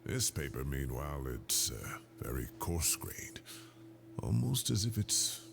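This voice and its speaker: A gravelly, musing scholar. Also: male voice, a bass voice, sing-song, a little slow, exaggerated voice. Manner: hesitant, musing. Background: game music.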